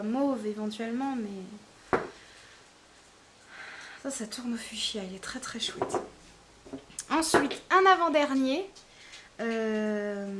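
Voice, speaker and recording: A woman's voice: sits high, a little hiss or hum. A woman giving a casual, chatty product review, hesitating often with fillers. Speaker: beauty vlogger.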